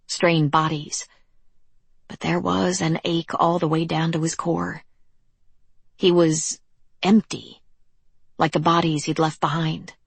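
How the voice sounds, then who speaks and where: A woman narrating an audiobook in measured, dramatic scripted narration. Her voice is low and husky, and the recording is dry and close. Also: no room sound.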